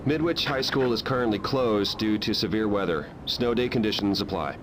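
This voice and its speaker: An actor voicing a polished corporate school announcer on a recorded phone message in a video game. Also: male voice, on the low side, normal speed, very noisy, natural voice. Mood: formal, promotional.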